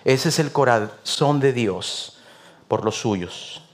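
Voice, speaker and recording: A man's voice: medium pitch, lively intonation, slow. A man with a Mexican Spanish accent, a visiting pastor preaching a sermon in an earnest, rhythmic way with repeated amens.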